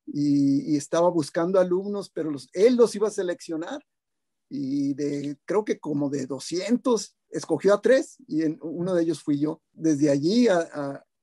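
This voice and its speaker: In a northern Mexican accent, a man with a high pitch and a dark, mellow tone speaks at a fairly slow pace, recorded with a dry, close sound and no echo. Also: lively intonation, quiet background. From Mexico, Sinaloa (Culiacán). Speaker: concert pianist. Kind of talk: interview. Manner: halting, frequent repetitions.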